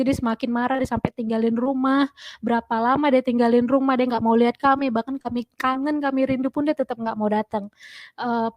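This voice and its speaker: Woman, 30s, fairly high voice, dry close sound; chatty testimony storyteller with lots of fillers. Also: no echo. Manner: animated, many fillers. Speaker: testimony guest. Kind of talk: personal testimony, casual storytelling.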